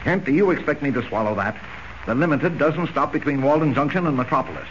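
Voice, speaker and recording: An actor playing a blustering, sarcastic newspaper editor with a gruff manner, in 1940s radio acting. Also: male voice, on the high side, animated, fast, close to an everyday voice. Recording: dull, hissy old radio recording.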